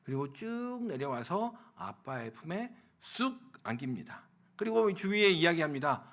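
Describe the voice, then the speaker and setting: A male pastor giving a Sunday sermon in a church, telling stories animatedly and acting out the voices he quotes, moving from loud calls to near-whispers. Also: on the high side, moderate pace. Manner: animated storytelling, acts out quoted voices, swings from loud to soft. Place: church sanctuary.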